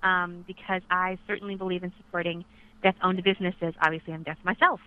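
Female relay interpreter, mid-to-low pitched for conversation, voicing a caller live; muffled telephone sound. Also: level tone, a little fast, clear, resonant tone. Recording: dull radio-like telephone line.

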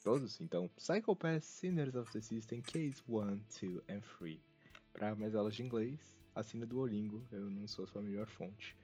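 Warm in tone and on the low side, the Brazilian host's voice moves with lively intonation at a moderate pace. He's chatting casually on a humorous anime podcast, wryly making fun of himself. Behind him there's music, and the sound is dull and lo-fi.

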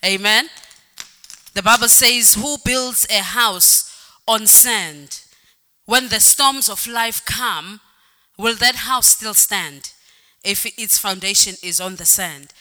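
A woman with a medium-pitched, sharp voice preaches a sermon, stressing points through repetition and shouts of "Amen." She occasionally sings lines and changes pace. The church hall echoes, and soft music can be heard.

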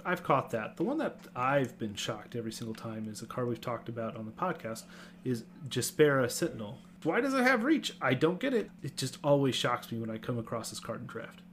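Playful male podcast co-host, mid-pitched, chatty, light hum in the background. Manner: chatty, playful, jumps up in pitch when excited. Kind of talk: casual chat about card games.

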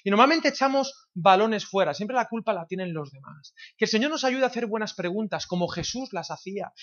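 A man from preaching a sermon in a church, firing rhetorical questions at the congregation. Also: high voice. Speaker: pastor. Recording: dull slightly lo-fi sound.

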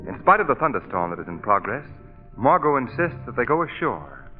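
Animated old-time radio announcer man. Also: mid-range voice, brisk, soft background music. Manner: theatrical, formal, emphatic. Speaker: announcer and narrator. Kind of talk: 1930s radio announcing, scripted narration. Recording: tinny, narrow old radio broadcast.

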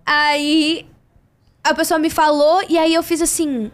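A Brazilian woman with a high, bright-sitting voice, talking casually into a studio podcast mic. She is a guest voice actress who tells her stories with energy and slips into the voices of the people she quotes. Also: slow. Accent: Brazilian Portuguese. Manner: lively storyteller who acts out what others said.

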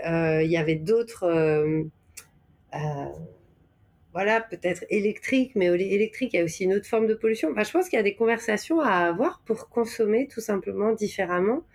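A woman's voice: medium pitch, a little mellow. A woman from Normandy with a French accent, talking reflectively as a podcast guest, searching for her words and stressing key ones. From Normandy, France. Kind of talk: reflective conversational interview.

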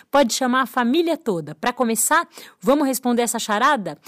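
A Brazilian woman telling stories and riddles to children, playful and expressive, speaking straight to her listeners with questions and dramatic pauses. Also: fairly high pitch. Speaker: children's storyteller and host. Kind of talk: storytelling to children, with riddles and tales. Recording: loud background music. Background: music.

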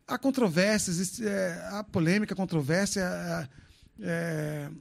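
A man's voice: sits high, unhurried, vocal fry. A man in his fifties from Brazil, talking loosely and frankly on a podcast, joking and swearing as he tells his story. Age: 50s. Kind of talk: casual podcast chat.

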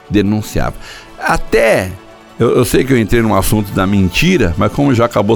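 A man's voice: medium pitch, gravelly. An older man preaching a sermon, telling stories and acting out dialogues in different voices. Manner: storytelling, acts out dialogues in shifting voices. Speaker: pastor.

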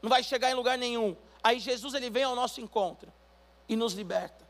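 A man with a Brazilian Portuguese accent preaching a sermon as pastor, building to loud emphatic calls for the congregation to respond. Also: extremely high pitch, a little fast.

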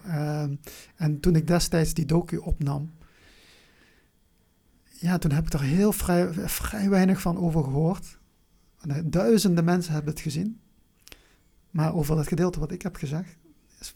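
A person with a southern Dutch accent talking reflectively in an interview, haltingly, often searching for words and repeating them. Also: medium pitch, fairly even intonation, creaky, warm tone, husky. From Venlo, Limburg, Netherlands. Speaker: interview guest.

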